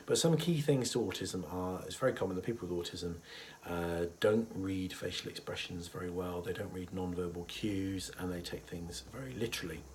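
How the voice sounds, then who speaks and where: Husky man with a cold, low-pitched. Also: normal speed, hardly any pauses, a little hiss or hum, rough recording. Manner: thoughtful, hesitant with many fillers, chuckles softly. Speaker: therapist. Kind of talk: casual educational talk to camera.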